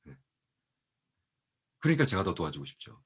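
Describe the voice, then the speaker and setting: A middle-aged man, a pastor and mission professor, telling testimony stories in an animated way and acting out the people he quotes. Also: sits low, moderate pace, slightly rough. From Korea. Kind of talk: storytelling testimony talk.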